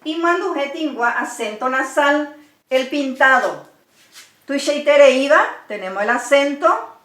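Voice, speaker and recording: A woman's voice: sits high, lively intonation, unhurried, bright, forceful tone. A woman teaching a language lesson, patiently explaining words one by one. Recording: echoey room.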